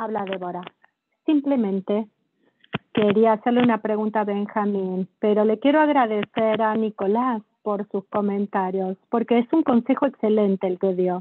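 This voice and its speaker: A woman at a moderate pace with ordinary pitch variation, in a dry sound with no echo against a quiet background. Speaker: program manager. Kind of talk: informational presentation. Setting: video call. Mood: warm, smiling, encouraging. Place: home room. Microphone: video call.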